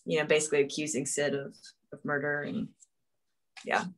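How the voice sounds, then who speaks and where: A woman with a lowish voice talks easily about the story with her writing partner. She sounds relaxed and chatty, and she is heard over a video call. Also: fairly quick. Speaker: co-writer at a table read. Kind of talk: casual chat after a table read.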